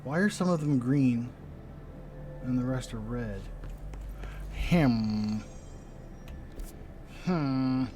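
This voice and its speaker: A man's voice: medium pitch, very slow, long pauses, dark tone, slight background noise. A young man streaming a game live, his voice a bit stuffy and sinusy, musing to himself and tossing wry asides to his chat. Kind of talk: casual live-stream commentary. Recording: game music underneath.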